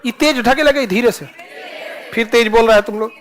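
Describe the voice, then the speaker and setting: A man's voice: very high voice, normal speed, some chatter behind. A man teaching a class, firing questions and repeating answers in a call-and-response drill. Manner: animated, drills students with repeated questions and acted asides.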